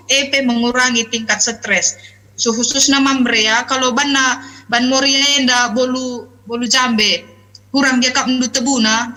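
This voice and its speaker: A woman's voice: a little high, sharp tone. A woman pastor giving a conversational sermon, chatty and anecdotal, with frequent hesitations as she talks.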